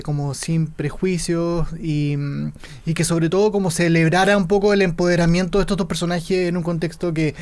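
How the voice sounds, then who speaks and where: Creaky, flat-voiced Chilean man. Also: fairly high pitch. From Santiago, Chile. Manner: thoughtful, searching for words. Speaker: film director. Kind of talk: interview conversation.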